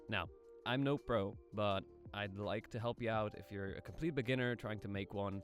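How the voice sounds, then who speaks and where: A man hoping to break into voice acting narrates an easygoing explainer with a fairly low voice. He's self-deprecating and casual, peppering his talk with rhetorical questions.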